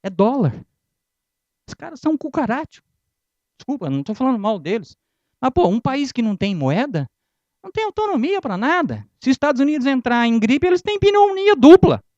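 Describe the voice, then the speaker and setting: Lively high-voiced man telling stories. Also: a little fast, no echo. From Brazil. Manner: animated storyteller who acts out dialogues. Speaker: guest lecturer. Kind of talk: humorous motivational lecture. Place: lecture hall. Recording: dull lo-fi dry lecture recording.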